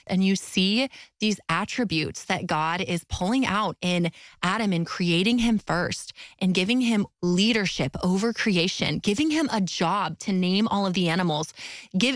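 A woman author talking as a guest in an interview, with a loud voice and expressive delivery that often leaps high in pitch. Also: no room sound. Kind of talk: faith-based interview talk.

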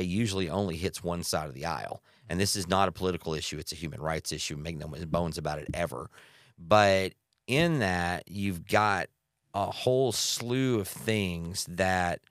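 A man's voice: low-pitched, a little fast, few pauses, no room sound, clean studio sound. A man speaking as an interview guest, impassioned and opinionated, stressing key words and throwing out rhetorical questions. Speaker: guest speaking on anti-trafficking work.

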